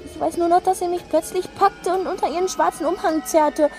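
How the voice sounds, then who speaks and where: A scared young boy in a radio drama, his voice high and youthful. He tells his story in a fearful, halting way, with faint music underneath. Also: steady tone, a little mellow. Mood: fearful recounting. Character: frightened young boy telling of a witch. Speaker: child character Jeremy. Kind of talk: German radio drama acting.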